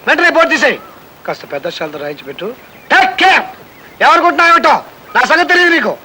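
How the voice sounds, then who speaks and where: A man's voice: very high-pitched, huge pitch swings, quick pace, pushed and bright, a little hiss or hum, exaggerated voice, low-quality recording. An actor playing a boastful, blustering man who scolds and threatens a woman. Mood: ranting. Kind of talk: film comedy acting.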